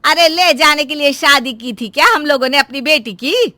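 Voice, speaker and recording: A woman voicing a sharp-tongued, meddling middle-aged mother in a cartoon family story, loud and taunting. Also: high-pitched, expressive, normal speed, no room sound. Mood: scornful.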